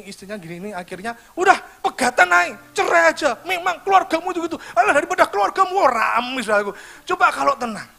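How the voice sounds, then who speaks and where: A middle-aged man, preaching a lively sermon and joking with the congregation. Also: very high-pitched. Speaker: pastor. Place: church hall. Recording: church livestream with music behind.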